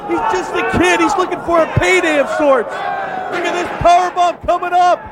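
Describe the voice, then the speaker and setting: A man giving excited, exclamatory live wrestling commentary as play-by-play announcer, often shouting. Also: very high-pitched, brisk. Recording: noisy arena, loud crowd. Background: loud wrestling crowd.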